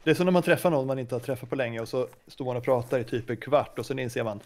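Co-player, man, easygoing and chatty, medium everyday pitch. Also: darkish tone. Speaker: co-player and guest. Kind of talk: casual gaming chat.

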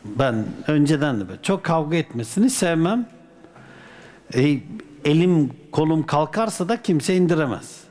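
A man from Turkey, a dervish, telling a personal anecdote in a colloquial, lively way with folk sayings. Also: on the high side, moderate pace. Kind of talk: casual spoken anecdote.

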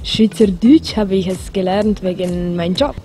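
A woman's voice: medium pitch, normal speed, over music. A young woman from the Italian-speaking part of Switzerland, a native Italian speaker answering interview questions in careful, hesitant German. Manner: hesitant, searching for words in a second language. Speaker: interviewed model. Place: indoor hotel lounge. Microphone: handheld mic held to her.

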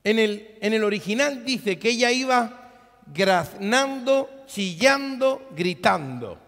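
A male pastor preaching a sermon in a church, animated and dramatic, acting out scenes as he speaks. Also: high-pitched, measured pace, gravelly. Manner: animated preaching, acts out biblical dialogue. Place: church hall. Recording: long reverb of a large hall.

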